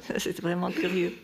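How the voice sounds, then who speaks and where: A woman's voice: lowish voice, vocal fry, noisy background. An older woman, a guest author on a small theater stage, talking with amusement, laughing and sometimes dropping to a whisper. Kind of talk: lively conversation on stage.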